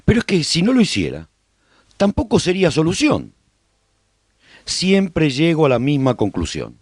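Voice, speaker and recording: A man's voice: fairly high pitch, huge pitch swings, normal speed, breathy edge, dry recording, clean studio sound, heavily acted. A man playing a haunted, reflective survivor who chronicles the apocalypse in theatrical, emphatic first-person radio-serial narration. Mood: reflective, troubled.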